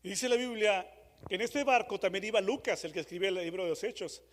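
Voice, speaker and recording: A man preaching a dramatic sermon, moving from loud re-enacted shouts to hushed questions. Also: high-pitched, fairly quick. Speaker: pastor. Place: church hall. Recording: long church hall reverb.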